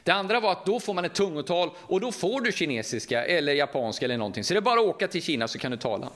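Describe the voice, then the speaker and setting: Swedish preacher with a Västergötland accent. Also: male voice, fairly high pitch. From Sweden, Västergötland. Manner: lively, conversational, often asks the audience. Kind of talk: sermon.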